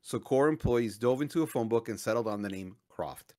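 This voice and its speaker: Male podcast co-host, mid-pitched, blunt, jokey, casual chat. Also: fairly quick, a little mellow. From Latin America.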